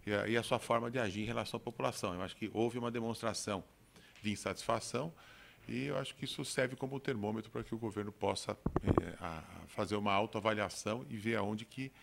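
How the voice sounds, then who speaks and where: A man speaking as a judge on a studio panel talk show, measured and formal with some hesitations. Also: on the low side, steady tone, gravelly, slight background noise.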